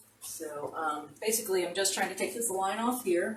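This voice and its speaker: In a put-on character voice, a woman mumbles at a medium pitch and moderate pace. Her voice is raspy, with ordinary pitch variation. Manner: mumbling, absorbed.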